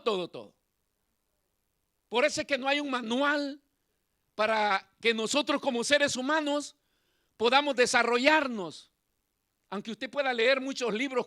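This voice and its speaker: Middle-aged guy preaching, really high voice, swings loud then hushed. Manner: impassioned preaching, swings between loud and quiet. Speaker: pastor. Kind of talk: sermon.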